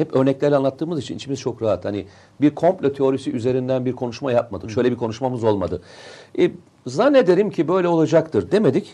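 Talking very fast with lively intonation, a man uses a dark, mellow tone at a fairly high pitch. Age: 50s. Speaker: security and defence commentator, author. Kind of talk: casual chat.

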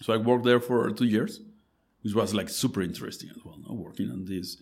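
Speaking at a very fast pace, a man with a Spanish accent keeps a medium pitch and ordinary pitch variation. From Mexico, Zamora, Michoacán. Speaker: design school director. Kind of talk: interview conversation. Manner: halting, frequent repetitions and fillers.

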